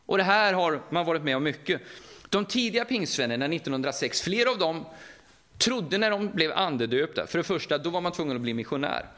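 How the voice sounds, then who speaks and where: In a conversational, lively sermon, a middle-aged Swedish man with a Västergötland accent repeatedly questions his audience. His voice is a little high.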